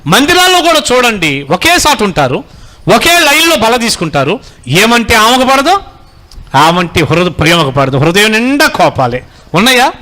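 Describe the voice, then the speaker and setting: A man's voice: sits high, big pitch swings, normal speed, pushed and bright. A pastor in his forties preaching a sermon, fatherly and exhorting, calling his listeners children and having them repeat phrases.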